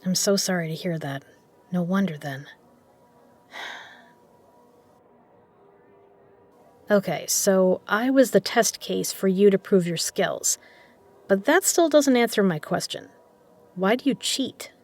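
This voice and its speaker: Casting: actress for a shrewd underground casino boss and poker legend, medium-pitched, measured and persuasive, for an audio drama. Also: female voice, expressive. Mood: sympathetic, probing. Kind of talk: scripted audio drama dialogue.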